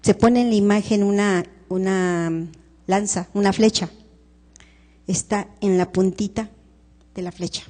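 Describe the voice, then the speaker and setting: Mexican woman counselor, calm and instructive, fond of rhetorical questions. Warm, dark tone in a reverberant hall. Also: medium pitch, unhurried, long pauses. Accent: Mexican Spanish. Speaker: grief counselor leading a workshop. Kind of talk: counseling talk to an audience. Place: large hall at a live workshop. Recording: live stream, long hall reverb.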